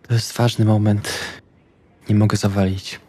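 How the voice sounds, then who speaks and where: A man's voice: fairly low pitch, flat delivery, normal speed, warm tone. A man playing a tabletop roleplaying game, speaking for his character and describing its actions. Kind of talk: casual in-character game play.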